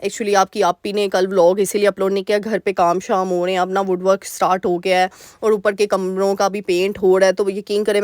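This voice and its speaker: A young woman with a sore throat doing a chatty voice-over for her cooking vlog, recorded in a small dark store room. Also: medium pitch, no echo, studio quality. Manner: warm, chatty, homely advice-giving. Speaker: vlogger homemaker.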